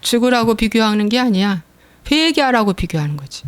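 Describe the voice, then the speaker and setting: A woman's voice: a little high, fairly quick. A woman pastor preaching a sermon, acting out prayers and complaints and asking the congregation rhetorical questions. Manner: animated, acts out quoted prayers and complaints; drops to hushed whispers at times.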